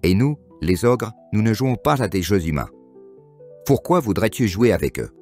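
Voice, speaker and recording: A man's voice: fairly low pitch, big pitch swings, normal speed, a little mellow, soft background music, voice pushed up. A man voicing a stern but caring, cautious ogre father in a children's cartoon, firm and protective. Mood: firm, doubtful.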